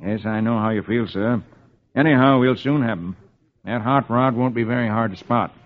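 A man voicing a brisk, matter-of-fact police detective on an old radio broadcast. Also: mid-range voice, phone-quality sound, voice pushed down, natural voice.

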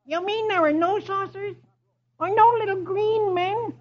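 A man voicing cheeky little cartoon duck nephews, eager and squeaky. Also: fairly even intonation, measured pace. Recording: dull old radio recording.

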